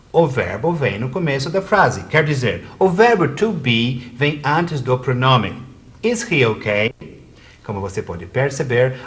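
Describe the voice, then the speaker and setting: A man with a Brazilian Portuguese accent presenting a scripted TV English lesson, stressing each example clearly. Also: medium pitch, a bit bright. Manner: didactic, emphatic on examples. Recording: music bed underneath.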